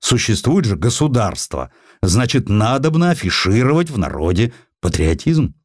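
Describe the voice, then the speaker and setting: A man's voice: mid-range voice, very animated, normal speed, dry recording, studio quality, pitched above the performer's own voice. A man voicing a grumpy, elderly Russian general turned editor in an audiobook, with a plaintive, old-fashioned colloquial way of talking. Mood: plaintive, aggrieved. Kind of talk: audiobook character acting.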